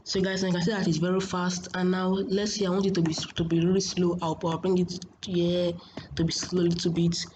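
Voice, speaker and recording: A woman giving a casual software tutorial in a hesitant, repetitive, halting way, as a host. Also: on the low side, little pitch movement. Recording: muffled, noisy home screen recording.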